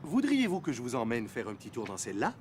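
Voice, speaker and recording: A man's voice: medium pitch, wildly swooping pitch, fast. A man voicing an eager, polite car salesman in a cartoon, with courteous sales patter. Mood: eager to please. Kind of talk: cartoon voice acting. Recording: music behind the voice.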